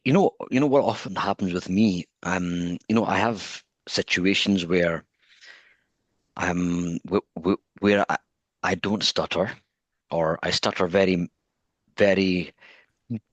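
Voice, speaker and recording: Male interviewer, deep voice, frequent stutter, thoughtful delivery. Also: unhurried, pauses often, no echo, lo-fi sound. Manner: stutters, with repeated words and blocked sounds; thoughtful, searching for words. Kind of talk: conversational interview.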